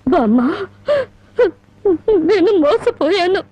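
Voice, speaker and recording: An actress playing a wronged young wife who scolds her husband with sharp, tearful sarcasm in a melodramatic film scene. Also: extremely high pitch, very animated, takes it slowly, dry recording, full character voice. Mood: despairing. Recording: film soundtrack with loud score.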